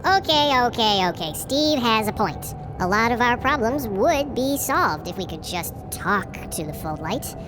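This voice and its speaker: A woman plays an excitable space explorer in an audio drama. Her voice is bouncy and fairly high, full of eager awe, with measured pacing over clear music. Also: poor audio. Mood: excited. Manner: eager, wonderstruck. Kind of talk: audio fiction acting.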